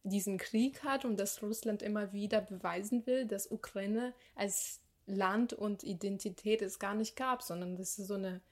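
A woman's voice: medium pitch, normal speed, hardly any pauses. Young woman musing on a podcast. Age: young adult. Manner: thoughtful, many fillers and restarts. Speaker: podcast co-host. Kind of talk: casual conversational podcast.

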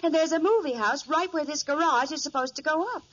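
An actress playing a spirited, argumentative young sister in a 1940s radio drama. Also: female voice, sits high, fast, lightly acted. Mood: insistent. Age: young adult. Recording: noisy, dull 1940s radio recording.

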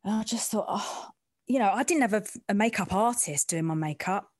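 A woman with an East London, Essex-style accent speaks candidly in an interview. Her pitch is average and the sound is dry and close. She talks in an informal, frank, working-class way. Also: animated, a little fast, dry recording. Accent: East London, Essex-like twang. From East End of London, England. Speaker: sports reporter interviewee.

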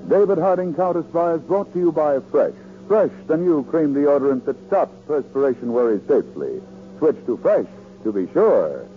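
A man's voice: a little high, expressive, normal speed, music in the background. A man working as an old-time radio announcer, reading promos in a formal, dramatic, emphatic way on a 1940s broadcast recording. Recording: scratchy, narrow-band 1940s radio recording.

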